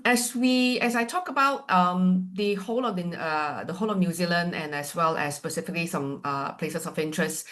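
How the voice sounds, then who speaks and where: A woman from Malaysia with a Malaysian accent, giving a chatty, playful webinar presentation over a video call. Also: fairly low pitch. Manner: chatty, lively, with a light playful tone. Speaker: university representative presenting to agents.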